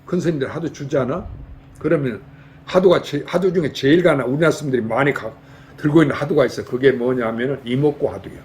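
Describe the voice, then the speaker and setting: A man's voice: medium pitch, quick pace, darkish tone, slight background noise. An older man from Jeolla, a Buddhist monk giving a folksy dharma talk in a temple hall and quizzing his lay audience with rhetorical questions. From Jeolla, South Korea.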